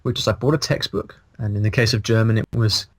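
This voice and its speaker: A man in his thirties, a guest on a video call, talking in a casual, animated way and restarting his sentences as he thinks aloud. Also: fairly low pitch, quick pace, no room sound. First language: English. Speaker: guest, language blogger. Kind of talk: casual interview. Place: small room indoors. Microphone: video call, earphones, mic in front.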